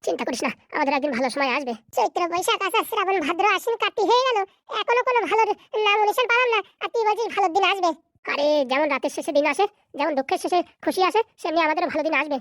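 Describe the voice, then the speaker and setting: Voice artist as squeaky, rapid, stammering lovesick drunk; cartoon comedy. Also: no echo, studio quality. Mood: hopeful. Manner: stammering, excitable, sped-up high cartoon voice. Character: lovesick hopeful drunk young man, broke.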